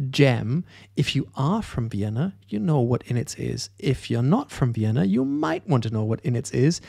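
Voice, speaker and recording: A middle-aged man co-hosts a casual morning show in an upbeat, promotional way. His voice has a gravelly edge. The recording is dry and close. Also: medium pitch, a little mellow, dry recording. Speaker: co-host and moderator.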